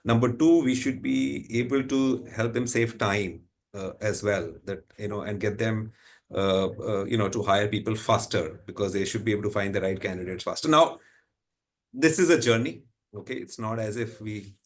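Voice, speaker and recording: Male company executive, Indian accent, lower register, explanatory and unscripted, often restating his points. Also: normal speed. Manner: explanatory, repeats and rephrases, tags points with "right?". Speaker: company executive answering analysts. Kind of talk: unscripted business answers on an earnings call.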